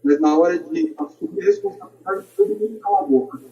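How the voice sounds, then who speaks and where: A man's voice: extremely high pitch, wildly swooping pitch, fast talker, creaky, mellow. A Brazilian man speaking as a podcast guest in a casual, opinionated debate, on a lo-fi recording. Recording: dull, lo-fi voice recording.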